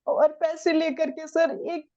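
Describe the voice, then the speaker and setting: High-voiced young woman, urgent testimony. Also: level tone, slow, dark tone, dry recording, lo-fi sound. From Bihar, India. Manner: urgent, distressed retelling, addresses the interviewer as sir. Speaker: interviewee. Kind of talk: emotional testimony in an interview.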